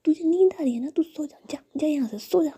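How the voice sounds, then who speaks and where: A woman's voice: high voice, a little fast, warm tone, voice pushed up. A woman voicing a mischievous young woman who loves pestering others, whispering playfully. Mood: teasing.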